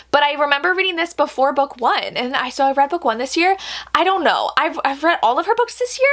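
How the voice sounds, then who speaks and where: A woman's voice: high voice, a bit bright. A woman talking casually as a booktuber, gushing enthusiastically about her picks and peppering her speech with "like" and emphatic repeats. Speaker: book reviewer, booktuber. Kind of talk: casual booktuber vlog, chatty recommendations.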